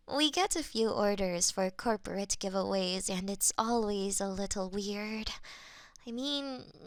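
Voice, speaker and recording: A woman performing a gentle audio roleplay as a florist friend, soft-spoken and a little flustered, recorded on a binaural microphone. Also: mid-range voice, clear, resonant tone, no room sound.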